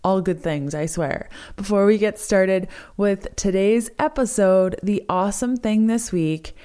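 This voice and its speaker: A young adult woman with a hoarse, strained voice, hosting a solo podcast in an upbeat, enthusiastic way. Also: medium pitch, measured pace, dark tone. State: hoarse, lost her voice. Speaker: podcast host. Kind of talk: solo podcast chat with sponsor reads.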